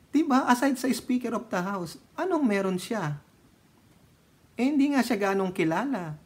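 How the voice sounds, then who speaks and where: A Filipino man giving casual political commentary, chatty and teasing, laughing often and dropping from loud remarks to low asides. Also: lively intonation, measured pace, long pauses. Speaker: political vlogger.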